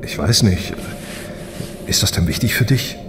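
An actor playing an easygoing, dutiful test pilot and older brother in an audio drama, casual and thoughtful. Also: male voice, fairly low pitch, expressive, unhurried, noisy background.

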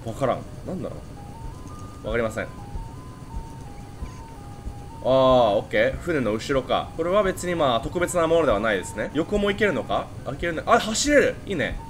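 A man's voice: medium pitch, sing-song, moderate pace, long pauses, faint music behind. A young man, chatting animatedly to viewers while playing a horror game. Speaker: gaming channel host. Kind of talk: horror game let's play commentary.

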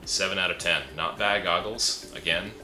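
A young man with a low-sitting voice and fairly even intonation talks at normal speed over music. He gives a casual, chatty product review on camera with frequent fillers, indoors in a room with a pegboard wall, and the recording has a roomy echo.

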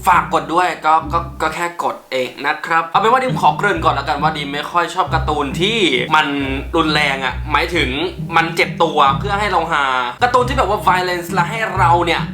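A man's voice: fairly high pitch, brisk. A man hosting a casual countdown commentary, mixing English words into his talk. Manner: mixes English words into Thai. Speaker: YouTube host counting down favourite cartoons. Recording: roomy echo, music behind. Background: background music.

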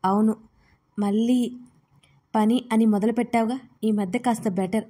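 A frightened young woman speaks in a hushed, broken voice, close to tears, as a female storyteller puts her on. Her voice sits fairly high and dark, with very little rise and fall. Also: steady tone, husky. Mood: teasing. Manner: soft, halting, tearful. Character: young woman, distressed and fragile.

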